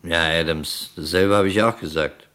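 An actor playing a wry, probing police detective in a German radio crime play, questioning sceptically. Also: male voice, low voice, normal speed, fairly bright tone. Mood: puzzled, insistent.

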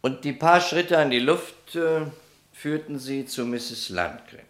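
A man's voice: on the high side, slow, fairly bright tone. An actor playing a persistent police detective in a German radio crime play, formal and methodical in his questioning. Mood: pressing.

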